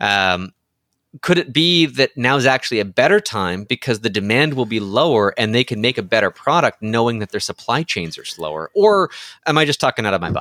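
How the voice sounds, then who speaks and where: With a Canadian accent, a man talks at a fairly quick pace in a bright, sharp tone, his pitch swinging very widely. The recording is very clean, with a silent background and a dry, close sound without echo. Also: medium pitch for a man. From Ontario, Canada (Sudbury). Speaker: podcast host. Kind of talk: casual chat.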